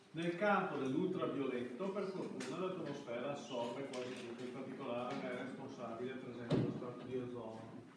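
A middle-aged man giving a classroom lecture in a halting, hesitant way. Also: a little high. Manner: halting, hesitant delivery with broken-off words. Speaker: university lecturer. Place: university classroom, indoors. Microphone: far camera at back of room. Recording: echoey room, distant microphone, background noise.

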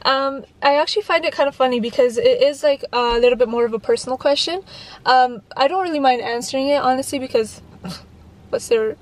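A young woman in her early twenties with a high voice talks to camera from the driver's seat of a parked car. She rambles easily through viewer questions, dropping plenty of "um"s and "like"s and restarting her sentences. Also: a little fast, low-quality recording. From Canada. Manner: chatty, many fillers and restarts. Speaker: YouTuber answering viewer questions. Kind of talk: casual Q&A vlog. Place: parked car, indoors of vehicle. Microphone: camera on dashboard, facing her.

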